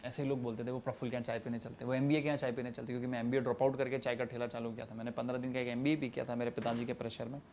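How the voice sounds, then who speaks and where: Fast-talking young man, emphatic. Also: mid-range voice, little pitch movement, a little mellow, a little hiss or hum. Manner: emphatic, preachy, mixes English phrases. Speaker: guest, tea stall entrepreneur. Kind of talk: animated interview answers.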